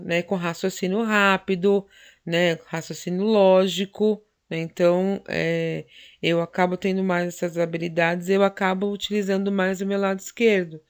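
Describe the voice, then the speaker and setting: A woman's voice: lowish voice, clear, resonant tone. A woman teacher, explaining anatomy in a recorded lecture, often checking in with tag questions and fillers.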